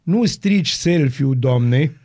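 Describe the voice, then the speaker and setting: Husky, mellow radio co-host man. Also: medium pitch, lively intonation. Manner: sardonic. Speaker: radio morning show co-host. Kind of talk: casual radio banter. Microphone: studio microphone.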